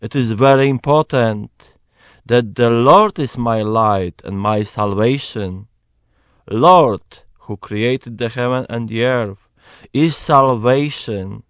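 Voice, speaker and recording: Slow earnest man with a Polish accent. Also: medium pitch, clean tone, no room sound. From Poland. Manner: slow, earnest, emphatic preaching. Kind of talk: personal testimony, Bible reading.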